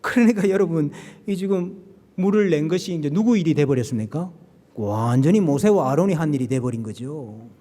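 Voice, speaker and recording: A male pastor preaching a sermon in a church, slowing down and swelling his voice when he quotes scripture. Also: fairly high pitch, expressive, mellow. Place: church sanctuary. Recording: long hall reverb.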